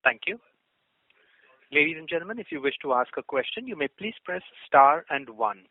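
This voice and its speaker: A man's voice: a little high, animated, moderate pace, breathy edge, no echo. A man moderating a conference call with formal, polite, scripted announcements. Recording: dry, tinny phone line.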